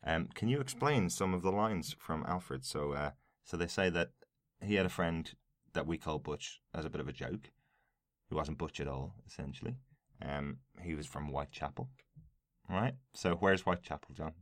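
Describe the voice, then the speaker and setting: A man's voice: rumbling low, normal speed, no echo, studio quality. An Irishman co-hosting a podcast, chatting casually and prompting his co-host with questions.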